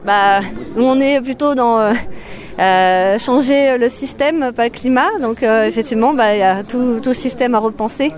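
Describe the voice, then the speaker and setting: A woman's voice: fairly high pitch, moderate pace, a little mellow. A woman answering an interview spontaneously, hesitant and with frequent fillers.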